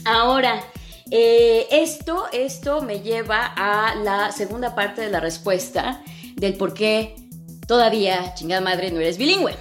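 A woman's voice: mid-range voice, measured pace, faint music behind. A woman with a Mexican Spanish accent, an English teacher and podcaster, talking in a blunt, slangy, casual monologue full of swearing and rhetorical questions.

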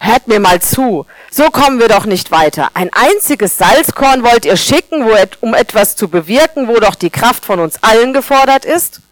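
A woman reading as an agitated salt grain, forceful, exhorting, storybook tale, dry close sound. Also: fairly high pitch, expressive, moderate pace, hardly any pauses, no echo, close to an everyday voice. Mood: indignant. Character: fed-up salt grain who roars for quiet.

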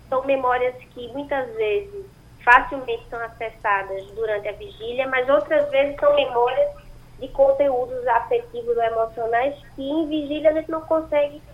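A woman speaking over a landline phone as an expert guest on a radio call-in, explaining with frequent hesitant fillers. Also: fairly high pitch. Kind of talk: radio interview answers. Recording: muffled phone line.

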